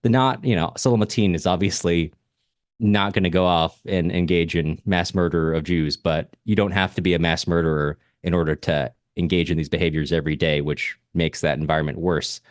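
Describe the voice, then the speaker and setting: A man's voice: deep voice, steady tone, brisk, no echo, studio quality. A man co-hosting a podcast, talking through a book in a casual, discursive and analytical way, often rephrasing himself mid-thought. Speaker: podcast co-host discussing a novel.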